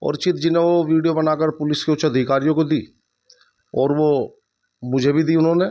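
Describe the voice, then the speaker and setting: A man's voice: fairly high pitch, level tone, a little fast. A man giving a spoken interview statement as a complainant, in a lo-fi clip. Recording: dull, lo-fi clip.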